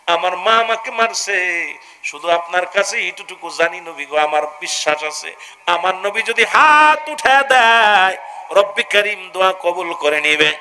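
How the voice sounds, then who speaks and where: A preacher doing a humble pleading young disciple. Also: male voice, animated, a crowd in the background. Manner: low, slow, humble pleading. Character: weeping devoted young male companion pleading. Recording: loud background noise.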